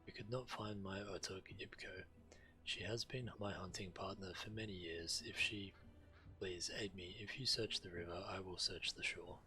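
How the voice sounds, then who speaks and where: Man voicing solemn tribal villager, very deep, forceful crisp edge, fantasy game quest reading. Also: moderate pace, faint music behind, poor audio. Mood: earnest. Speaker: game streamer. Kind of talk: reading game quest dialogue aloud on a stream.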